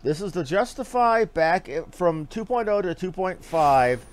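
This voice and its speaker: Male streamer, lightish high voice, lively inflection, casual gameplay chatter with salty asides. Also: measured pace. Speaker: game streamer.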